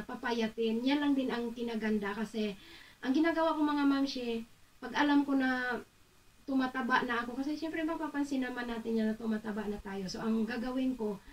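A middle-aged woman from the Philippines vlogging casually in her bedroom, chatting to viewers and mixing English words into her talk. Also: a little high. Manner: chatty, addresses viewers as mamshi, mixes English into Tagalog. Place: bedroom at home, indoors. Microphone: camera across the room. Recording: voice a bit far from the mic.

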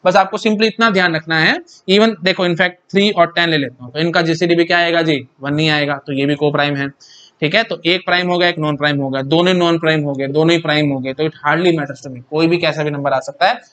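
Chatty Indian lecturer, slightly high voice. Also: male voice, fairly even intonation, a little fast, a bit bright. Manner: chatty, repeats "thik hai" and "ji", asks and answers his own questions. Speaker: exam-prep lecturer. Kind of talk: Hindi-English mixed whiteboard lecture.

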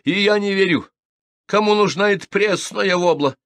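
Мужчина изображает визгливую бойкую молодуху. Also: male voice, high-pitched, normal speed, a bit bright, dry recording, voice pushed up. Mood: defiant. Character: brash sharp-tongued young village woman Milka.

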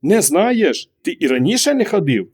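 A man's voice: high-pitched, big pitch swings, moderate pace, a little mellow, slightly rough, voice pushed up, full character voice. A man reading an audiobook, raising his voice to play an anxious, exasperated wife who keeps pressing her husband with questions. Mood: alarmed. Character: anxious middle-aged wife, exasperated and pleading. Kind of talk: audiobook character voice.

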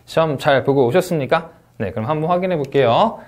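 A man teaching a test-prep review lecture, talking in an emphatic, upbeat way and often punctuating points with quick interjections. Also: fairly high pitch. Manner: lively, emphatic teaching with frequent "자" and "오케이".

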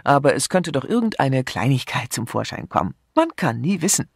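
Man doing a old male chief inspector, shrewd, genial, evasive, raspy, dry sound. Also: medium pitch, big pitch swings, a little fast, no room sound. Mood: jovial.

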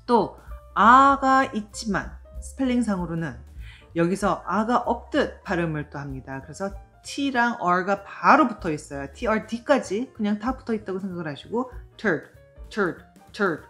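Woman, speech therapist, pronunciation lesson, low voice, careful demonstrations, faint music behind. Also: a bit bright. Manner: slow, exaggerated model pronunciations with explanations.

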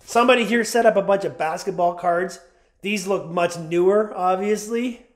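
A man in his forties with a runny nose and a fairly high voice talks at a moderate pace while filming an empty abandoned house on a handheld camera. As an urban explorer vlogger, he narrates the walkthrough casually and keeps calling his viewers "guys."

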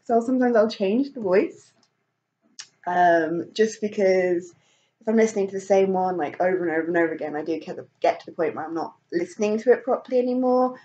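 A woman's voice: medium pitch, a little fast, mellow, highs cut off. A woman vlogging casually, rambling with many fillers and restarts and laughing often. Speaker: vlogger and author. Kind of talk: casual chat.

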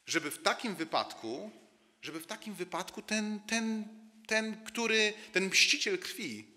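A man's voice: sits high, unhurried, pushed and bright, long reverb tail. A man preaching a sermon in a church, telling the story dramatically, dropping to a near-murmur and rising again, often repeating words as he builds a point.

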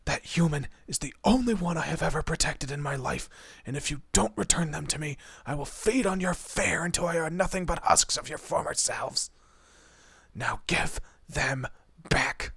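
A man playing a fiercely protective monster in a horror roleplay, with a husky, breathy voice and an intense, deliberate manner. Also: fairly high pitch, a bit bright, no room sound, exaggerated voice. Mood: menacing, furious. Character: protective male monster, menacing to foes, tender to his human. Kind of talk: dramatic horror roleplay audio.

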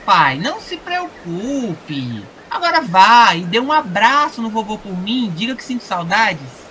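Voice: medium pitch, big pitch swings, unhurried, pushed and bright, a little hiss or hum, poor audio. An actor with a Brazilian accent playing a dutiful young prince placating his father in an audio drama. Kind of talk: comic audio drama acting.

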